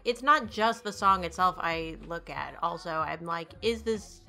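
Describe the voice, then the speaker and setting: A woman's voice: fairly low pitch, unhurried, vocal fry, pushed and bright. A woman giving casual commentary as co-creator of a web series, talking conversationally. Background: background music.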